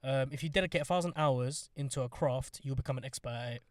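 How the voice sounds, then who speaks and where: A young man co-hosting a podcast in animated, jokey banter. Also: mid-range voice, quick pace, no room sound, clean studio sound. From England. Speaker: podcast co-host. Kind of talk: casual chat. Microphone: podcast mic, close.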